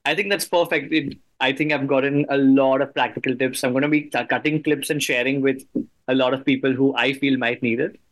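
A man's voice: medium pitch, fairly even intonation, brisk, fairly bright tone, no room sound, low-quality recording. A man hosting a podcast interview, summarizing advice conversationally in an enthusiastic, affirming way. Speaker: podcast host.

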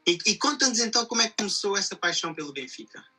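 A man with a European Portuguese accent hosts a conversational interview at a quick pace. His voice runs a little high and is husky, with a very bright edge. He explains things at length. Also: animated, faint music behind. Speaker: interview host.

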